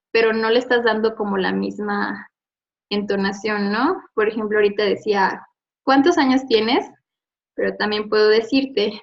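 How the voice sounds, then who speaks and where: Patient woman teacher reviewing a lesson, slightly high voice, dull recording. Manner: patient, explains with examples and checks with "¿no?". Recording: dull lo-fi audio.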